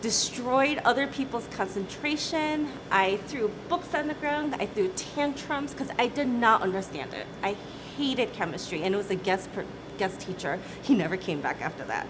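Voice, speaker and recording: A woman's voice: fairly high pitch, animated, normal speed, few pauses. Chatty woman CEO, noisy recording. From South Korea. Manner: chatty, laughs easily, says "right?" often. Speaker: company CEO, interview guest. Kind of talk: casual interview talk.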